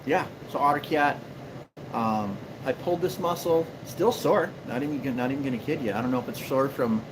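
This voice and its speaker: Background noise runs under this fairly quick, mid-range male voice. The speaker is a Minnesotan livestream host in his forties who traps beavers, and he answers viewer questions in a casual, rambling Upper Midwest way with plenty of fillers and restarts.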